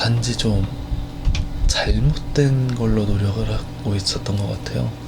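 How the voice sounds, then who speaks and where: A man speaks in a relaxed tone. Noticeable background noise is present. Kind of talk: ASMR casual chat talking about daily life. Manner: soft, relaxed, chatty.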